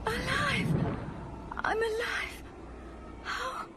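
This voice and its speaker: Earnest, very high-voiced tribal mystic. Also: female voice, fairly even intonation, extremely slow, background noise, full character voice. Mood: amazed. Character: earnest young tribal woman with untrained mystic powers. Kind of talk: audio drama acting. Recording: music behind the voice.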